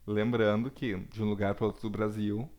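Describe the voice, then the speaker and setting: A man, teaching a recorded lesson with slow, deliberate explanations and frequent checks for understanding. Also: on the low side, little pitch movement, dull audio. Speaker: Portuguese teacher.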